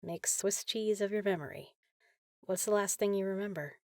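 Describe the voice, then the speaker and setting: A woman playing a caring, teasing big sister in an intimate comfort roleplay, talking softly and casually. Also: medium pitch, moderate pace, dry recording, studio quality, natural voice. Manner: soft, soothing, casual, playful.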